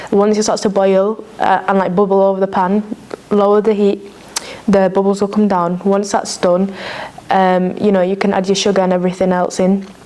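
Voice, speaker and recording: Against noticeable background noise, a woman at a medium pitch speaks at a moderate pace with very even loudness and monotone, flat intonation. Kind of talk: interview answer. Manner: casual, hesitant.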